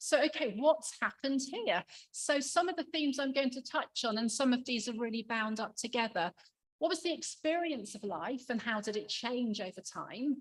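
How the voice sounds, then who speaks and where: A loud, high-pitched woman at a moderate pace, her intonation lively. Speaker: archaeology lecturer. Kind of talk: conference lecture. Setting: conference hall with microphone.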